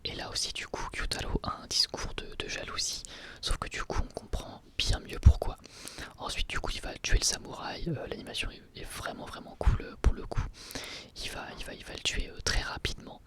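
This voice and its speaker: An ASMR creator whispering an episode review, hesitant and full of fillers and restarts. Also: brisk. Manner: soft, breathy whisper throughout.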